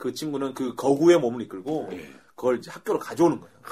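A man speaks with vocal fry. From Busan, South Korea. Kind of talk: casual chat, storytelling.

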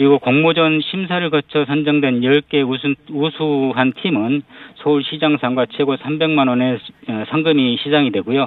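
Here a man speaks at a fairly high pitch. Noticeable noise sits in the background. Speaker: city government welfare official. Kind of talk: informational interview. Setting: phone call.

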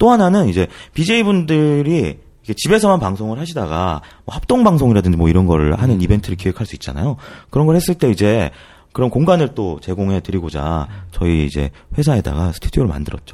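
Over a quiet background, a man with a dark, mellow tone and a fairly low pitch talks at a fairly quick pace, his pitch swinging very widely. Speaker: internet broadcasting platform team manager. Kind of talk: interview. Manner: many fillers and hesitations.

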